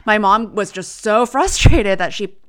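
A woman's voice: mid-range voice, animated, measured pace, clean tone. A young woman co-hosting a podcast, telling a family story in a thoughtful, reflective way. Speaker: podcast co-host. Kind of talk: casual conversation.

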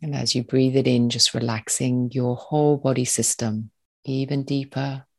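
A meditation guide giving slow, soothing spoken instructions in short, spaced phrases with a calm manner. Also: mid-range voice.

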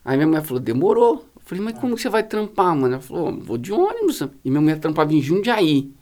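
A man with a Brazilian Portuguese accent, a pastor telling stories as a podcast guest in slangy, animated casual talk full of fillers. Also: a little high, fast talker. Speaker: guest, pastor running a social project. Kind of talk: casual storytelling in a podcast conversation.

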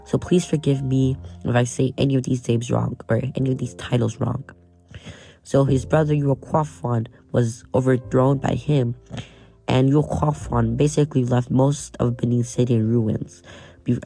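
Gravelly young man reading a history podcast. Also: medium pitch, warm tone. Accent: American. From Nigeria. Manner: reads from a script with frequent restarts on names. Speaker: podcast host. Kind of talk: scripted history podcast narration.

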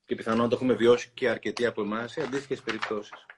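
A man hosting a talk, reading a children's book aloud in an expressive storytelling way and pausing to comment. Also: mid-range voice, a little hiss or hum. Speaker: host.

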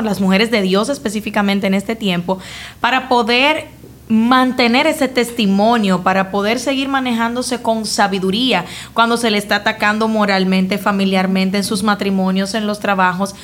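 A woman hosting a Christian women's talk show who reacts warmly and asks her guests long questions. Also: fairly high pitch, steady tone, moderate pace. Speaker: host.

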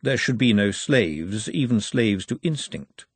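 Brief: a man doing a deadpan cynical ruler, slow and husky, dry sound. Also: fairly low pitch, no echo, full character voice. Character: cool cynical male city tyrant, aging. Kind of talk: audiobook character voice.

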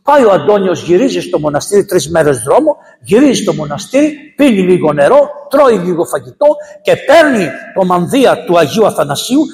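A male priest giving a sermon, telling a saint's story as a lively storyteller with emphatic repetitions. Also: sits high. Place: church. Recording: echoey church with long reverb.

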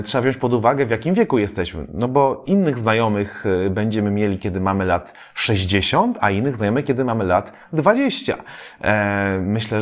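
A man, a memory trainer explaining methods in a relaxed educational talk, pausing often with filler sounds. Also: on the low side. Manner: explanatory, many filler "e" sounds, lively emphasis.

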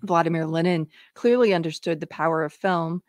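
A woman co-hosts a casual live show and reads articles aloud between chat. Her voice is fairly low for a woman, and her tone is upbeat and giggly. The recording is close and dry. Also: a little fast, dry recording. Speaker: co-host.

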